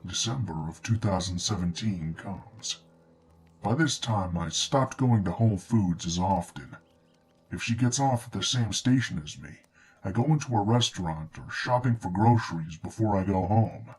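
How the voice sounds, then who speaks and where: Guy narrating a creepy story, lowish voice, understated and measured, bit of music behind him. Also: lively intonation, slightly rough. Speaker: narrator of true scary stories. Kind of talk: scripted first-person horror story narration. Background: background music.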